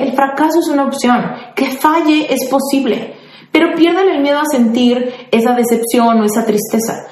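In a high-pitched, reverberant voice, a woman with a Mexican accent hosts a podcast as a life coach. She offers listeners motivational advice in a warm, conversational way, answering them by name.

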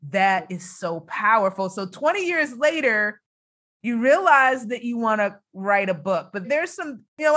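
Female host for a faith interview show, medium-pitched, affirming and emphatic, conversational delivery. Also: fairly bright tone.

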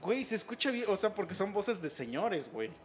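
A man's voice: high voice, very animated, fairly quick. A man with a Mexican accent hosting a casual, slangy chat, talking animatedly and laughing often.

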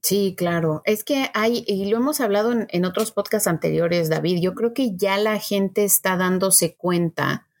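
A woman's voice: medium pitch, unhurried, few pauses. A woman co-hosting a conversational podcast on faith, talking reflectively and checking that she is understood with short tag questions. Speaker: podcast co-host.

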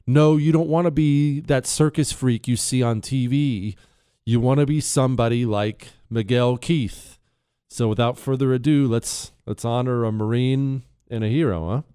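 A man's voice: mid-range voice, fairly even intonation, normal speed, mellow, clean tone, no room sound, studio quality. A man hosting a talk radio show in a conversational monologue, folksy and plain-spoken, addressing listeners directly. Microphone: close studio microphone.

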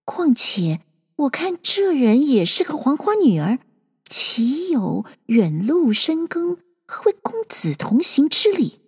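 A woman's voice: high voice, sing-song, takes it slowly, a little mellow, dry recording, studio quality, in a large hall, voice pushed up, full character voice. A woman voicing a puzzled young maiden musing and questioning to herself.

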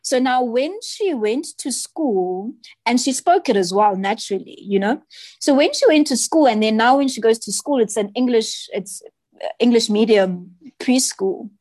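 In a relaxed interview chat, this South African children's author spins stories as a guest, peppering them with plenty of "you know"s and "right"s. She speaks a little high and animated at a normal pace, with a darkish tone on a dry recording.

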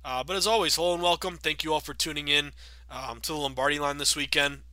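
A man in his thirties hosting a sports betting podcast, chatty and upbeat with many fillers, sounding a bit raspy from a cold. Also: a little high, steady tone, fast talker, pushed and bright, dry recording. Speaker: podcast host.

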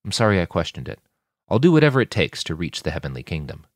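A man's voice: deep voice, sing-song, fast, dry recording, studio quality. A man voicing a nervous, devout young woman who speaks hesitantly and anxiously. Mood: submissive.

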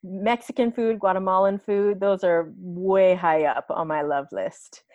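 A woman in her thirties, a podcast guest chatting casually, laughing often and quick to get animated. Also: medium pitch, no echo, phone-quality sound. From United States. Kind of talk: casual interview chat.

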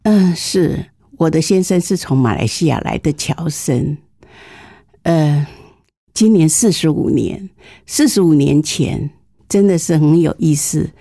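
A woman's voice: deep voice, unhurried, dark tone, dry recording, studio quality. A woman in her sixties from southern Taiwan, with a southern Taiwanese Mandarin accent, tells personal stories conversationally as an interview guest, in a candid, humorous, self-deprecating way. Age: 60s.

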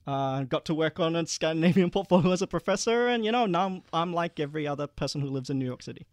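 A man's voice: on the high side, expressive, fast, no room sound, studio quality. A middle-aged man from Malaysia, a guest in an interview, answering in an earnest, explanatory way and laughing easily. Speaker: guest, investment manager.

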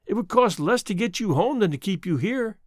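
Man playing a caring young woman, insistent questions, high lively voice, dry sound. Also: fairly quick, no echo. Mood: urgent. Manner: insistent, pleading.

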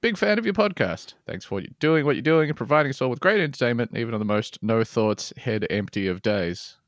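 Wry man with a lively voice. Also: mid-range voice, fairly quick, no room sound. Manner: wry, laughs often, reads aloud with dry asides. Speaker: podcast co-host. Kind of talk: casual comedy chat, reading listener mail.

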